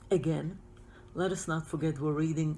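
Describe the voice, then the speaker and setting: In an Israeli accent, a woman speaks with a very deep, low pitch. Her pace is fairly quick, and room echo is audible. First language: Hebrew. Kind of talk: lecture.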